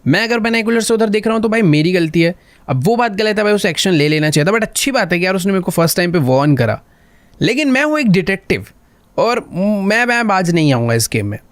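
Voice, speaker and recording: A man giving chatty, excitable commentary while playing a game, constantly talking to his viewers. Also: high voice, no room sound. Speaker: gaming channel host. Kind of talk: live gameplay commentary.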